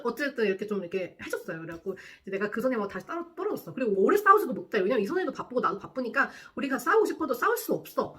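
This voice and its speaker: A woman's voice: mid-range voice, fairly bright tone. A young woman, a nurse, tells a work story to camera in casual chat, acting out the quoted lines and laughing often.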